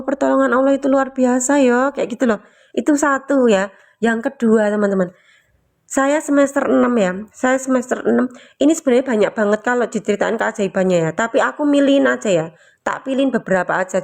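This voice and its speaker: Woman, kinda high voice, emotional casual storytelling, keeps going "you know?". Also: a little mellow. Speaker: motivational storyteller.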